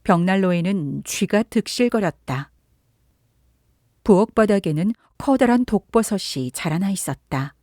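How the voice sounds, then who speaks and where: A woman narrating a literary story for an audiobook in a calm, measured way. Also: mid-range voice, no room sound, clean studio sound.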